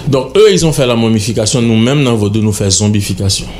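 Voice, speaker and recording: Talking fast in a low, slightly mellow voice, a middle-aged Haitian-accented man appears as a guest in a radio studio interview. His delivery is emphatic, insistent, and lecturing, captured by a studio mic on a stand with slight background noise.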